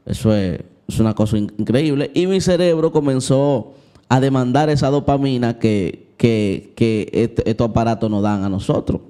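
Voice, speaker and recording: A man's voice: mid-range voice, moderate pace, dark tone, clean tone. A young man tells a personal story in a vlog. He speaks candidly and confessionally, talking straight to his viewers and acting out the moments he describes. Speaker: Christian vlogger.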